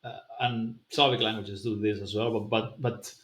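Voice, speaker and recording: A man's voice: fairly low pitch, steady tone, moderate pace, fairly bright tone. Man vlogging in an echoey room. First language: Basque. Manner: conversational, musing, loose explanations. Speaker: language-learning vlogger. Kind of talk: casual vlog, thinking aloud to camera. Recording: roomy echoing room.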